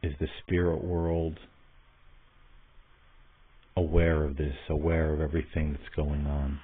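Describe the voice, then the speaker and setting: A man hosting a spirit box session, solemnly putting questions in deliberate, halting phrases with pauses. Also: extremely low pitch, level tone, a little hiss or hum. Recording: muffled, phone-like narrow band.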